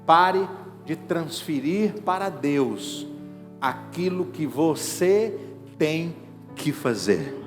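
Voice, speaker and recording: A middle-aged male pastor preaches emphatically, dropping low and then pushing loud. His fairly high voice rings through a long church reverb while soft instrumental music plays underneath. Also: lively intonation, very slow. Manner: emphatic, swings between hushed and loud preaching. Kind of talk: evangelical sermon. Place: church sanctuary. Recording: reverberant hall with faint music behind.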